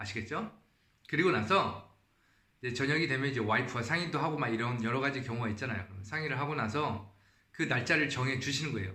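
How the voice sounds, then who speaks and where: This man speaks very fast. His medium pitch shows ordinary variation. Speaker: YouTuber sharing immigrant life tips. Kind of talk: casual vlog tutorial. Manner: halting, searching for Korean words.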